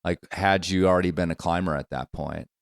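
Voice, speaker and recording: A man's voice: sits low, fairly even intonation, a little fast, creaky, no echo, clean studio sound. A man hosting a podcast interview, rambling and repeating words as he lays out his questions. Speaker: podcast host. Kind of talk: conversational interview. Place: hotel room.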